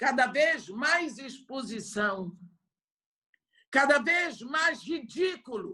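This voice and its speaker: A woman's high, raised, projected voice with a bright, sharp tone and lively intonation, very slow with long, frequent pauses, in audible room echo. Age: 70s. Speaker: missionary preacher. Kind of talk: sermon.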